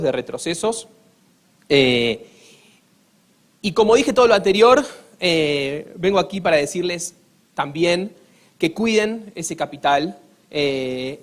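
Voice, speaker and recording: A man from Argentina with an Argentine accent, speaking earnestly on a panel, with many hesitations and restarts. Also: on the high side. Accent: Argentine Spanish. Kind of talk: formal panel talk.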